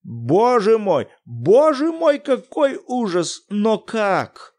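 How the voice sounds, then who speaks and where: A man reading an audiobook, voicing an excitable elderly academic who shouts in loud, theatrical bursts. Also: high-pitched, measured pace, voice pushed up. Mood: frantic. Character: excitable elderly male academic, pompous then frantic.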